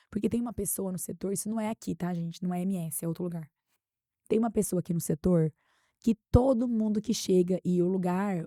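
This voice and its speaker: A woman with a Brazilian accent, speaking as a guest expert in an interview and telling anecdotes in a lively way. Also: lowish voice, no echo, clean studio sound. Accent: Brazilian Portuguese. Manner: animated anecdote-telling, acts out quotes. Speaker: guest expert on workplace harassment. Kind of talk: conversational interview storytelling.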